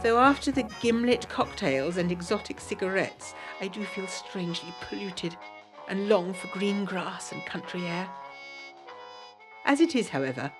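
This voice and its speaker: A woman's voice: medium pitch, animated, measured pace, over music, natural voice. A woman playing a genteel, proper yet adventurous 1920s Englishwoman, reading a letter in an audio drama with refined, formal, old-fashioned phrasing. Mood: wistful, excited.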